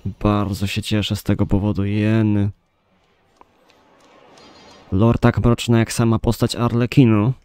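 Mellow, low-voiced Polish man. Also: level tone, a little slow, long pauses, clear, resonant tone. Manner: informal, mild swearing. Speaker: gaming video host. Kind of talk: casual let's play commentary.

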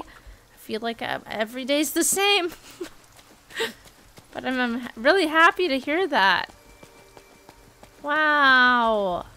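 Woman streamer in her twenties, bubbly and chatty, unhurried delivery. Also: sits high, pushed and bright, low-quality recording. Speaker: game streamer. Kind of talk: casual gameplay commentary.

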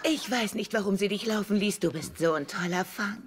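A woman's voice: medium pitch, fairly quick, background noise, close to an everyday voice. An actress playing a gushing, clingy, eccentric woman on a date in a German sitcom dub. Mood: gushing, flirty.

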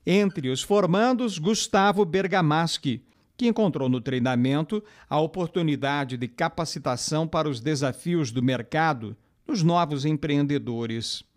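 A male reporter reading a scripted local news report in a measured, formal way. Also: a little high.

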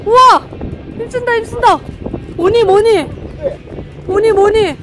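A very high-voiced woman with a lilt gasps and shouts with delight at each fish pulled up on a seaside pier. Her bright exclamations ring over background music. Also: slow. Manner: exclaims loudly, cheers at each catch. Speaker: fishing vlogger. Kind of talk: excited casual commentary.

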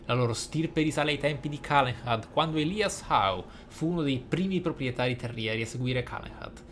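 A man of medium pitch and fairly bright tone speaks a little fast as he hosts a role-play gaming video. He explains and reflects on the game while reading some of its text aloud. The recording has faint noise and game ambience.

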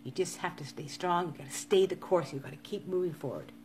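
A woman's voice: on the low side, quick pace, darkish tone, a little hiss or hum. A woman in her fifties speaking to live-stream viewers in a casual monologue, earnestly repeating encouraging urges. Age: 50s. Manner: earnest, repetitive motivational urging.

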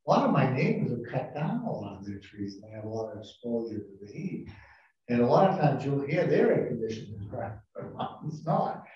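A man's voice: medium pitch, a little mellow, far from the mic. A man at a town board meeting, chatting and thinking aloud with enthusiasm. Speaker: board member. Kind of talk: casual meeting discussion. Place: town meeting room, large table. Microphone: far room microphone. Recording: echoey meeting room from afar, dull.

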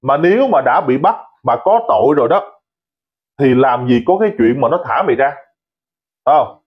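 A man's voice: medium pitch, lively intonation, normal speed, husky, highs cut off. A man giving a heated, mocking commentary monologue, scolding and insulting his critics. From Vietnam. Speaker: online commentator.

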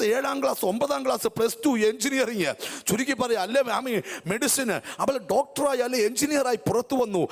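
Gravelly middle-aged woman preaching in a hall. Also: on the high side. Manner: dramatic storytelling, bursts into shouts, peppered with amens and hallelujahs. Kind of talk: fiery revival sermon. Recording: long echo of a large hall.

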